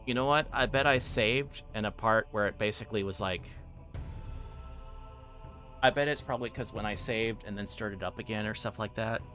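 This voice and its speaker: A man chatting casually as he hosts a game livestream, halting and rambling and often trailing off. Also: lowish voice, bright, forceful tone, faint music behind. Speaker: livestream host playing a visual novel.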